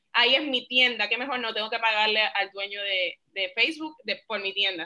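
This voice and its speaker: Projected and raised, a woman's energetic voice moves at a fairly quick pace. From Puerto Rico. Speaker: fitness coach, trained nurse. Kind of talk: motivational interview. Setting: conference call.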